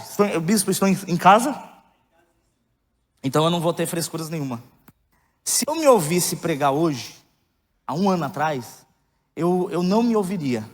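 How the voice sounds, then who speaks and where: Man in his thirties preaching, high voice. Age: 30s. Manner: candid, joking, rising to loud emphatic outbursts. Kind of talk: sermon. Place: church hall. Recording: long hall reverb.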